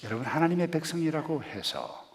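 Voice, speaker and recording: A man preaching a sermon as pastor, dropping to hushed murmurs and rising to loud, emphatic rhetorical questions, and leading the congregation in reading scripture aloud. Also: fairly high pitch, sing-song, brisk.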